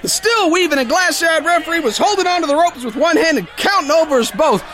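A man's voice: very high voice, lively intonation, fast, noisy background. An actor playing a brash, hot-headed, dim-witted sailor boxer, telling his tale in boisterous, folksy tough-guy talk in a pulp audio drama. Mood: excited, forceful. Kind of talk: theatrical first-person pulp story narration.

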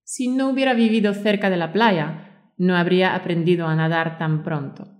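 A woman's voice: fairly low pitch, moderate pace, echoey room. A woman hosting a language-learning podcast, speaking to listeners in an encouraging, motivational way and reading aloud. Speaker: podcast host and Spanish teacher.

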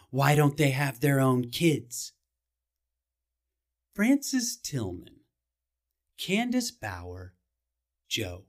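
A man acting a defensive, brooding small-town husband in an audio drama monologue, speaking haltingly and asking rhetorical questions with emphatic swings. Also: mid-range voice. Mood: defensive, indignant.

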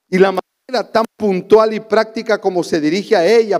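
A man with a Honduran accent preaching a sermon as pastor, swinging between loud exclamations and soft low asides. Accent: Honduran Spanish. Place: church sanctuary. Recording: long church reverb.

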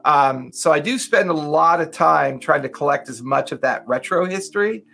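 A man's voice: fairly high pitch, expressive, moderate pace, gravelly, sharp tone, a little hiss or hum. A man in his fifties co-hosting a podcast, chatting casually and reflectively with lots of fillers. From Southern California. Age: 50s. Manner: rambling, reflective, many fillers. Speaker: podcast co-host. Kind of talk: casual chat.

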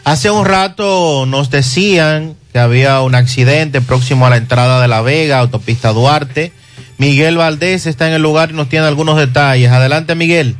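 A man's voice: on the high side, normal speed, faint music behind. A man with a Dominican accent presenting live on a radio show as co-host.

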